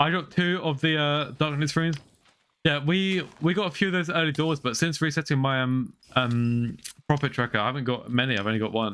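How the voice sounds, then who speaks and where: This man has an English accent and a fairly high pitch. He moves at a fairly quick pace with ordinary pitch variation. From England. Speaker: gaming streamer. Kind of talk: live stream commentary. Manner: fast.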